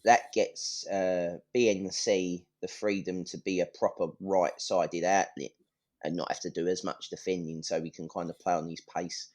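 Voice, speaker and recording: A man's voice: sits low, level tone, normal speed, darkish tone. A man talking football as a fan on a podcast, blunt and full of swearing, in a ranting casual style.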